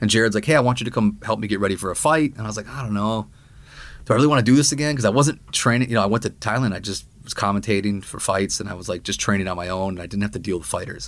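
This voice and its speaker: Talking at a very fast pace with an American accent, a man shows ordinary pitch variation in a very clean recording with a silent background. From US Midwest, Milwaukee, Wisconsin. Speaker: combat sports coach. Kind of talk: casual interview chat.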